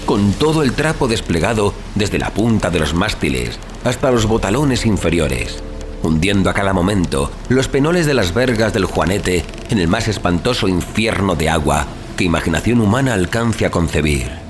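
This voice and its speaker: A man narrating a horror audiobook in a measured, solemn, theatrical manner, as a dramatic scripted reading. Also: low-pitched, expressive. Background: music.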